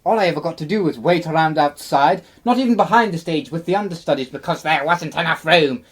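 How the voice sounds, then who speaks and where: A woman's voice: deep voice, fast talker, husky. A woman playing a vain, easily offended male actor in his twenties, grandiose and melodramatic, in a radio play. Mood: boastful. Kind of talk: theatrical radio play acting.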